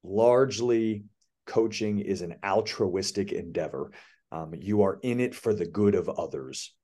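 A male athletic director, a guest on an interview podcast, with a somewhat low voice. He explains his ideas fluently and with conviction, building point after point. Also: measured pace, warm tone. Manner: confident, explanatory, speaks in flowing points. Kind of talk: casual interview answer.

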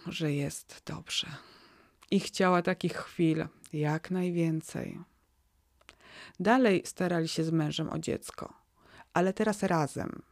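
A woman podcast host narrating a fairy tale in a calm, gentle way. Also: on the low side, gravelly, dry recording, studio quality.

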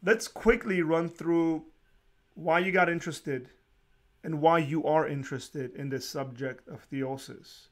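A man hosting a casual interview, talking in a relaxed, rambling way with frequent restarts and small laughs. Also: on the high side, a little slow. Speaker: podcast host.

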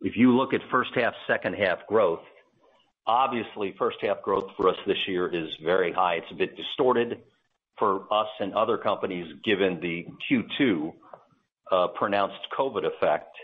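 A male company executive speaks in a lowish voice over a narrow, phone-like conference line. He answers analysts in emphatic corporate language, stressing his points. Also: normal speed, slightly rough. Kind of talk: earnings call answers to analysts.

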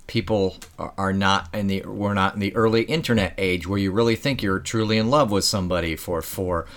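A man's voice: low-pitched, steady tone, brisk. A man who used to work in radio, a podcast guest thinking aloud in casual chat and often restarting his words. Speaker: former radio host.

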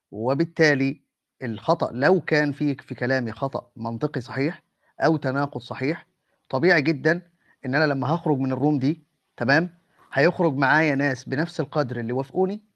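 An Egyptian man arguing for his faith in an online voice-room debate, talking softly and patiently, often stopping to ask for patience. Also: medium pitch, dry recording. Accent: Egyptian Arabic. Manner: measured, calls for patience, speaks softly. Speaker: Muslim debater.

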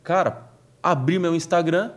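A man telling a personal shopping story in a casual, excitable chat. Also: on the high side, measured pace. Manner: lively, excitable anecdote teller.

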